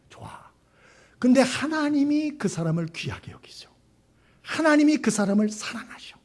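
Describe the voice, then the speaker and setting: A man's voice: very high voice, husky. A man, a pastor, preaching a Sunday sermon in a conversational way, putting questions to the congregation and acting out the people in his stories.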